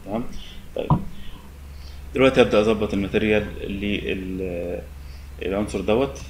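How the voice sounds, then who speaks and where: A young man with an Egyptian Arabic accent giving a relaxed, step-by-step software tutorial at his desk. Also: fairly low pitch, moderate pace, slight background noise. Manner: relaxed, step-by-step explaining with many fillers. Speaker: software instructor. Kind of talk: screen-recorded software tutorial.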